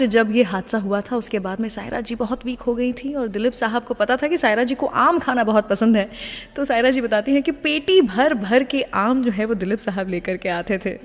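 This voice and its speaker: A woman's voice: mid-range voice, in a large hall. A woman hosting a radio show in a conversational storytelling style, mixing English phrases into her Hindi. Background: music playing under the voice.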